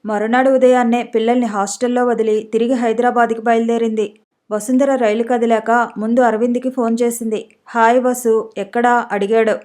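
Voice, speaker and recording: A woman narrates a story for an audiobook with a slightly high voice. Her delivery stays measured and steady, with little rise and fall. It sounds like a careful, scripted reading.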